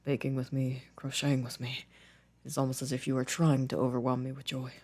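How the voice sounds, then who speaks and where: A man playing a gentle, introspective boyfriend in an intimate ASMR roleplay, soft-spoken with careful, formal wording. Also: mid-range voice, monotone, a little fast, close to an everyday voice. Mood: tender, teasing. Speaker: audio roleplay voice actor.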